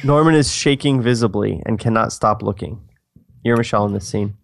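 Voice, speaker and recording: A man's voice: fairly low pitch, fairly quick, vocal fry, no room sound. Dry-sounding man narrating an amateur screenplay. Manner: breaks off into asides. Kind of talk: casual, joking script read-through.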